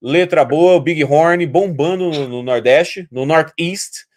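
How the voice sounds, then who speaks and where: A man's voice: fairly high pitch, takes it slowly. A man from Brazil chatting casually, telling long, rambling stories and imitating voices. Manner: rambling animated storytelling, imitating other people's voices. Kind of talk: casual chat.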